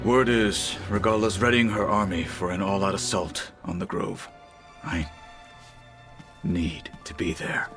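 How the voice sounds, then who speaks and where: A man's voice: deep voice, fairly even intonation, unhurried, music in the background. A man playing a stern, stoic tribal warrior in a video game cutscene. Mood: grave. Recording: prominent game score behind.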